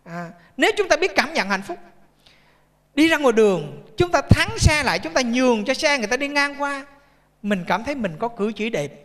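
A man tells stories in a sermon, in a bright, forceful voice. He jokes and keeps asking his listeners questions. His voice rings with a long reverb through a large temple hall. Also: very high voice, big pitch swings, moderate pace. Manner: chatty, joking, asks the audience questions. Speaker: Buddhist monk giving a dharma talk. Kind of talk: storytelling sermon.

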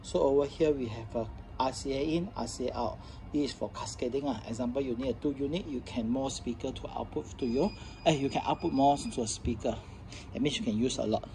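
Mellow-voiced man, halting Southeast Asian demo. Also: medium pitch, a little hiss or hum, low-quality recording. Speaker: product demonstrator. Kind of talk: unscripted hands-on product demonstration. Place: indoors at a tabletop, faint background noise.

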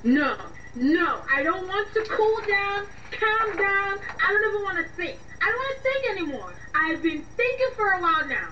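A woman's voice: very high voice, very animated, moderate pace, few pauses, sharp tone, muffled recording, a little hiss or hum, exaggerated voice. A fed-up young girlfriend in a radio drama. She is emotional and reproachful. The sound is echoey and distant from the mic. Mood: angry, fed up. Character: exasperated, weary young woman fed up with her boyfriend.

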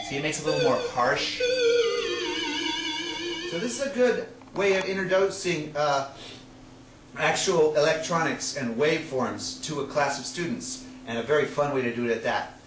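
A man's voice: on the high side, expressive, moderate pace, long pauses, music in the background. Roomy-sounding man, playful presenter. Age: middle-aged. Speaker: science presenter. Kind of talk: presentation to camera, demonstrating. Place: small indoor room with projector screen. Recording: roomy, distant camera mic, noisy.

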